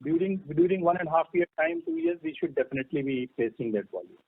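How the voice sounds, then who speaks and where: A man with an Indian accent, a company executive giving measured answers to analysts on a conference call. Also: a little high, wildly swooping pitch, gravelly. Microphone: phone conference line. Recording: narrowband phone conference line.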